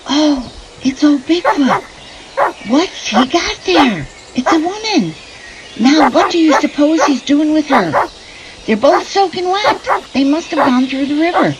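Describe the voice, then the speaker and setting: A woman's voice: high-pitched, heavy background noise. A woman acting a chatty, rustic backwoods woman who scolds and confides in her dog in an audio drama. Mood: concerned. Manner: rustic, chatty, exasperated folksy talk.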